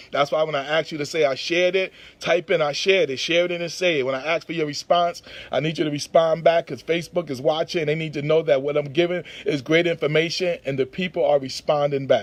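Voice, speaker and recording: This man talks at a very fast pace with an animated tone. His pitch is fairly high. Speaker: credit repair consultant. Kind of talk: live video teaching. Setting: Facebook live video.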